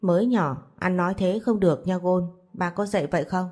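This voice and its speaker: A woman's voice: lowish voice, fairly quick, warm tone, close to an everyday voice. A woman reading as a curt stern young father. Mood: gentle. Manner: curt, scolding. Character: stern protective young father, quick-tempered.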